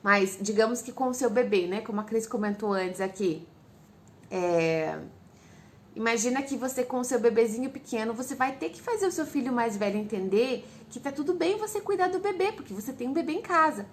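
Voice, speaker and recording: A woman's voice: on the high side, animated, brisk. A woman with a Brazilian Portuguese accent, a parenting educator, explaining things patiently and speaking directly to the parents listening. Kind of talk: casual instructive talk to parents.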